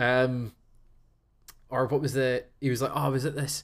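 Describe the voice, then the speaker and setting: A man with an Edinburgh accent talks at a moderate pace in a medium pitch. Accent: Scottish (Edinburgh). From Scotland, Edinburgh. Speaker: podcast co-host. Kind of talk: casual chat. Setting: remote call recording.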